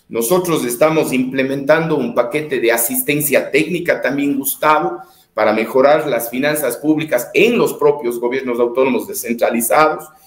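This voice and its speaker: With hardly any pauses, a man talks at a moderate pace in a fairly high voice, his pitch varying in an ordinary way amid audible room echo. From Ecuador. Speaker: economist, development bank manager; interviewee. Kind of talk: radio interview. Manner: hesitant, repeats words. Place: home room.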